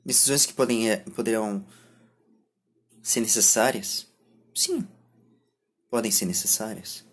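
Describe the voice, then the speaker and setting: A man in his twenties with a Brazilian accent and a husky voice, speaking a reflective monologue to camera as a vlogger, halting between short phrases. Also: fairly low pitch, fairly bright tone. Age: 20s. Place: small indoor room lined with bookshelves. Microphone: phone or camera at arm's length.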